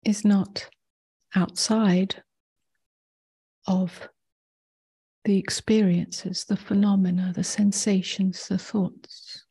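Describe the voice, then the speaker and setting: A woman meditation teacher leading a guided meditation in a soft, breathy near-whisper, gently and with long pauses. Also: medium pitch, flat delivery.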